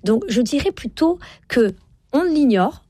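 A woman's voice: sits high, sing-song, dark tone, slightly rough, dry recording. A woman in her forties, an author on parenting, talking in an interview, emphatic and full of fillers. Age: 40s. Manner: fast, emphatic, many fillers and repeated agreements. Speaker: author and child psychologist, guest. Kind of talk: interview conversation.

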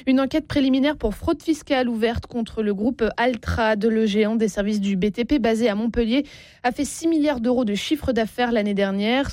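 A woman reads a radio news bulletin in a steady, measured way. Her voice sits a little high. The studio sound is dry and close. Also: no echo. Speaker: newsreader.

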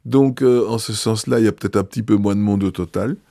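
Low, mellow man. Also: steady tone, vocal fry, dry recording, clean studio sound. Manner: thoughtful, hesitant, frequent filler pauses. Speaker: bishop. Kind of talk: interview answers.

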